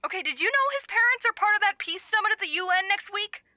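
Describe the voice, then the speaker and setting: Woman acting as geeky teen gamer girl, very bright and sharp, talks fast, brash and sarcastic, audio drama. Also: very high-pitched, expressive, no room sound, clean studio sound, exaggerated voice. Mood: excited, teasing. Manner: brash, playful, slangy. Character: excitable, geeky teenage gamer friend, sarcastic.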